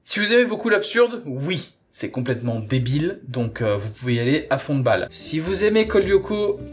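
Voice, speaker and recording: A man's voice: fairly high pitch, big pitch swings, a little fast. A man hosting a review show, chatting casually as he presents and gives his opinion. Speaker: host reviewing audio sagas.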